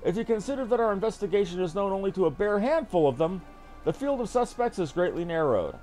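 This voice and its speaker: A man's voice: high-pitched, big pitch swings, fast, a little mellow. A man voicing a dutiful military captain who reports in formal, archaic words. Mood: formal, reporting. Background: game music.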